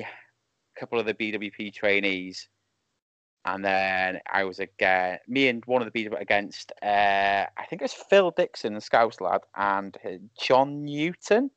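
A man in his thirties with a lisp, talking casually as a podcast guest over a remote call, self-deprecating and halting. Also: lowish voice, a bit bright, clean tone, dry recording. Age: 30s. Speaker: podcast guest, wrestling referee. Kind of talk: casual chat. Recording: dull lo-fi call audio.

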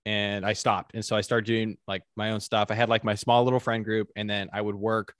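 A man's voice: on the low side, level tone, a little fast, fairly bright tone, dry recording, studio quality. A young man chatting casually about college in a laid-back way, filling his speech with "like". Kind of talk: casual chat.

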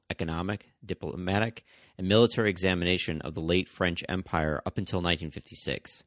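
A man with a very low voice reads his history podcast narration. His delivery is measured, with an occasional "uh" or a restarted word. The recording is close and dry. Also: no echo. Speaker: podcast host.

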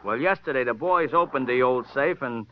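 A man's voice: medium pitch, a little fast, natural voice. A man playing a nervous young hotel desk clerk in a 1950s radio drama, jittery and evasive. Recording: dull old radio broadcast, faint hiss.

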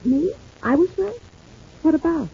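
A woman's voice: extremely high pitch, expressive, unhurried, creaky, full character voice. A woman acting a fretful, devoted working-class housewife in an old-time radio serial, with a folksy, emphatic delivery. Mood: puzzled curiosity. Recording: thin, phone-like old radio recording.

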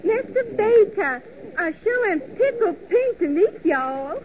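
A giggly young Southern belle who gushes in a slow drawl. Her voice sits very high and lilts widely, heard through a dull, hissy old radio broadcast. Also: very animated, full character voice. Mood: gushing.

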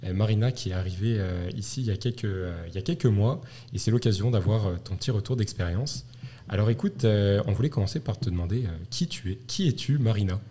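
A man hosting a student podcast, asking questions in a relaxed, hesitant way with frequent fillers. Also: lowish voice, fast. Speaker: podcast host. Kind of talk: casual interview.

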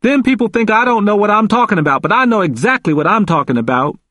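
A man's voice: sits high, sing-song, normal speed, a bit bright, no room sound, clean studio sound, voice pushed up. A man voicing a confused, vulnerable elderly man in an audiobook, emphatic and repetitive, with folksy grammar. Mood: excited, defiant. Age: older. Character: confused, frightened elderly man pleading in hospital.

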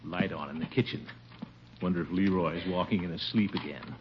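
An actor playing a vain, blustery middle-aged bachelor uncle in a 1950 radio comedy, full of self-satisfied chuckles. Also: male voice, deep voice, fairly even intonation, brisk, lightly acted. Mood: pompous. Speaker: lead character of a radio sitcom. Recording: scratchy dull old radio broadcast recording.

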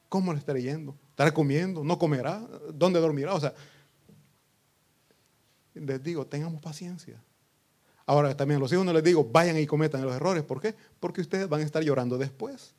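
A pastor preaching a sermon to his congregation, breaking into loud outbursts and acting out what people say. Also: on the high side. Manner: preaching with sudden loud outbursts and acted quotes.

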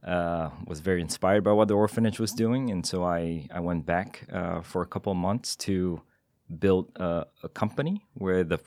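A man from Singapore, with a notably low voice, answers a podcast host in a dry studio. He speaks modestly and measuredly, pausing often with small hesitations. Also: steady tone, a little mellow, no echo. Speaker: guest. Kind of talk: interview answers.

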